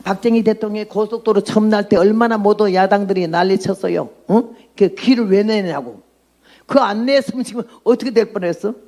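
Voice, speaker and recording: A woman's voice: mid-range voice, brisk, warm tone. A woman in her nineties, a missionary preacher, giving a blunt, outspoken sermon and testimony. She often laughs at her own remarks and throws questions at the congregation. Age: 90s.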